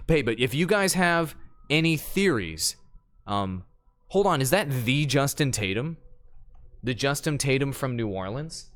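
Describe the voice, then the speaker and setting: Over a streaming microphone, a man with a medium-pitched, fairly bright voice gives casual live commentary on his game. He's slangy and jokey, talking directly to chat like the live streamer he is.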